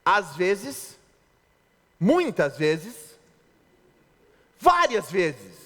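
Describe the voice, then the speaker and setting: A man's voice: high-pitched, drawn-out words. A man preaching a sermon as pastor, with a Brazilian Portuguese accent, joking and acting out what husbands and wives say. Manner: lively, joking preacher acting out spouses' lines. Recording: reverberant hall.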